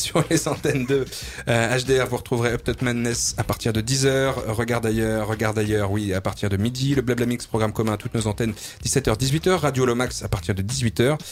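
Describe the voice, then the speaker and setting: A man's voice: mid-range voice, a little fast, slight background noise. Chatty, hesitant male radio host. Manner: loose, hesitant, many fillers, jokey. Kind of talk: casual radio chat and listings. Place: radio studio.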